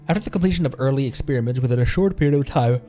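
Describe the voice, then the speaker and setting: Male game streamer, mid-pitched, stumbling a little through read-aloud text and commenting as he goes. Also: racing, warm tone, soft background music.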